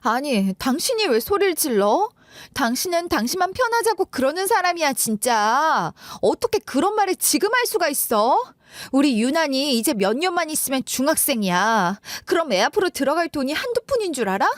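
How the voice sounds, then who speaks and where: A shrill, furious working wife, played by a woman in a story radio drama. She fires off complaint after complaint in a high voice that jumps wildly up and down. The sound is close and dry. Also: big pitch swings, bright, forceful tone, no room sound, full character voice. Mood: angry scolding. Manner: shrill, scolding, rapid-fire complaints. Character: angry exhausted working mother, a wife.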